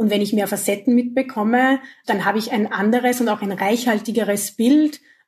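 A woman speaks at a fairly quick pace with a fairly high pitch. Her voice is somewhat breathy and her intonation fairly even. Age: 30s. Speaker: freelance journalist and copywriter. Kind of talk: interview.

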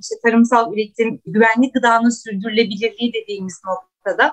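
Fairly even intonation from a woman at a moderate pace, dry and close with no echo. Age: 40s. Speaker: asparagus farmer, former corporate employee. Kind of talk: casual interview chat.

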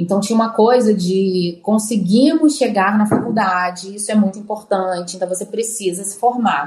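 Here is an ordinary speaking voice from a woman. She talks at a moderate pace with ordinary pitch variation. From Brazil, Alagoas (Maceió). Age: 40s. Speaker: actress. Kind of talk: casual interview.

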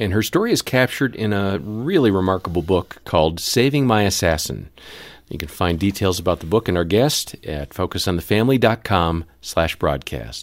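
A man with an ordinary speaking voice talks in a fairly low pitch at a moderate pace, with lively intonation. The recording is very clean, with a silent background. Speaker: radio announcer. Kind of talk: scripted narration. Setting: studio.

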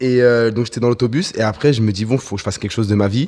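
A man's fairly low, dark and mellow voice with ordinary pitch variation, in a very clean recording with a silent background. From France, Paris suburbs (Cergy). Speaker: content creator. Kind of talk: casual interview chat.

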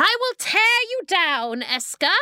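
A woman shouts in a put-on character voice at an extremely high pitch, with big pitch swings and a fairly slow pace. The tone is bright and sharp, and the sound is dry and close with no echo.

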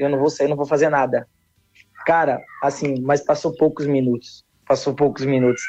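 Here a man speaks with a fairly high pitch at a moderate pace. His intonation is monotone and flat, and his loudness stays very even. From Brazil, Rondônia (Guajará-Mirim). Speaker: professional footballer (striker). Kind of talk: casual interview.

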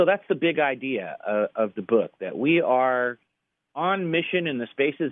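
A moderate pace from a man with a fairly high pitch. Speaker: pastor. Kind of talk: radio interview. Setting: remote call.

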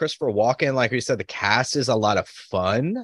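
A man with a normal speaking voice talks at medium pitch with lively intonation. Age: 20s. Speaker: podcast host, guest. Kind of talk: casual chat.

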